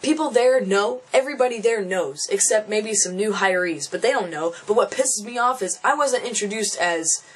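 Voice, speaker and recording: A man's voice: sits high, normal speed, hardly any pauses, breathy edge. A young transgender man venting casually to camera, frustrated and thinking aloud, often restarting and repeating phrases. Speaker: vlogger.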